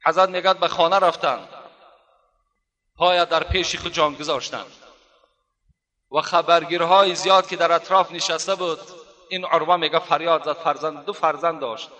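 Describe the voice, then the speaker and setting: A man preaching a storytelling sermon, speaking to his listeners as dear brothers and slowing down to recite Arabic phrases. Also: fairly high pitch, fairly even intonation, pushed and bright. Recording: long hall reverb.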